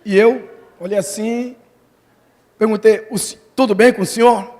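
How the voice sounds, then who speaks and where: A missionary preacher telling a personal story in a sermon, acting out the voices of the people in it. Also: male voice, sits high, measured pace. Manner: animated storytelling, acts out quoted voices. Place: large church hall. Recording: long hall reverb from the church.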